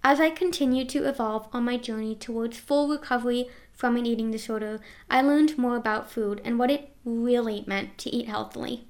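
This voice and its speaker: A woman's voice: fairly high pitch, steady tone, brisk, hardly any pauses. A woman in her twenties reading her own personal memoir aloud in an earnest, reflective way.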